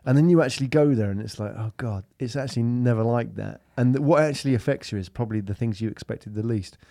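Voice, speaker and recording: A man's voice: medium pitch, quick pace, vocal fry, mellow, no room sound, clean studio sound. A man hosting a podcast interview, asking casual, probing questions. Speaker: podcast host. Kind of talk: conversational interview.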